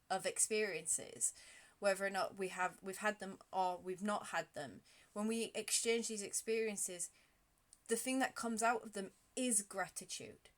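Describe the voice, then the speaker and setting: Woman, mid-pitched, earnest, talks in restarts, casual chat. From United Kingdom. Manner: earnest, thinks aloud with restarts. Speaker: podcast host. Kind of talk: casual conversation.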